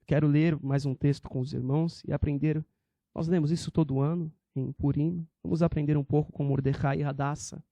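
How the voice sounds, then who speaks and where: A male preacher with a fairly high, warm and mellow voice delivers an emphatic sermon. He speaks rhetorically and calls out to his brethren, and the recording is dry and close. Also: dry recording.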